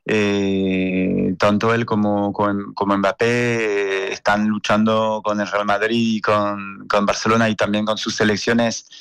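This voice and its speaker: Gravelly journalist with a French-Argentine accent. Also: male voice, on the low side, flat delivery, measured pace, few pauses, a bit bright, no room sound, clean studio sound. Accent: French and Argentine mix. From France. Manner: hesitant, many fillers and repeats. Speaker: sports journalist guest. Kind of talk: interview answers.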